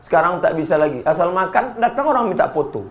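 A man preaching a lively, humorous sermon in a mosque, swinging between shouting and quiet asides. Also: high-pitched, fast talker.

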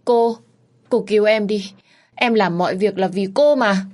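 A woman's voice: mid-range voice, a little slow, voice pushed up, close to an everyday voice. A woman voicing a frightened young maidservant, begging tearfully in a spoken story. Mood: pleading.

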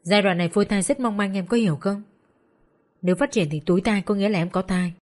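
A woman's voice: mid-range voice, fast talker, natural voice. Woman voicing a worried, firm male doctor. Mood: explaining. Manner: calm, earnest persuading.

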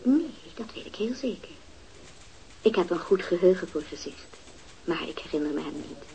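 An actress playing a guarded, evasive wealthy widow being questioned in a radio drama. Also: female voice, on the low side, lively intonation, moderate pace, dark tone, a little hiss or hum, poor audio. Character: guarded wealthy widow, middle-aged woman.

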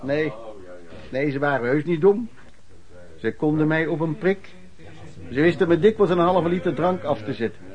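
A man's voice: a little high, normal speed, long pauses, highs cut off, close to an everyday voice. An actor playing an old man who chattily recalls his drinking and lodging days in a radio play, repeating himself for emphasis. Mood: fond, amused. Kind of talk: radio drama narration, reminiscing.

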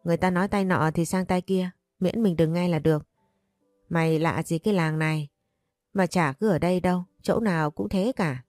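A woman voicing a gruff old father who grumbles dismissively. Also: lowish voice, moderate pace, a little mellow, no room sound, studio quality, soft background music, lightly acted.

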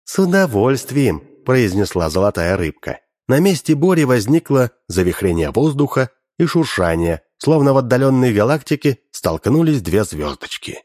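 A man reading a story aloud in a wry, expressive way, close to a studio mic. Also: medium pitch, normal speed, few pauses, dry recording. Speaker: audiobook narrator. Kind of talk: expressive scripted story narration.

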